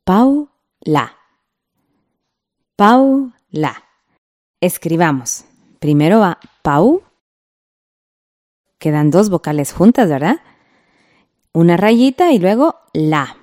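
A woman teaching a radio class, reading a scripted lesson in a slow, patient way and drawing out the example words. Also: fairly low pitch, big pitch swings, a little mellow.

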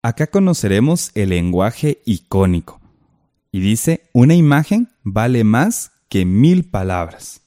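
A man's voice: on the low side, very animated, measured pace, warm tone, dry recording, clean studio sound. A man co-teaching a textbook lesson, explaining step by step and posing questions to the listener.

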